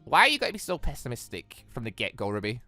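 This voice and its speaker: Man playing earnest young suitor, patient, hesitant, coaxing, bright tone, visual novel game hero, dry recording. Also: medium pitch, wildly swooping pitch, fast, no echo, soft background music, pitched below the performer's own voice. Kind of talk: visual novel character reading.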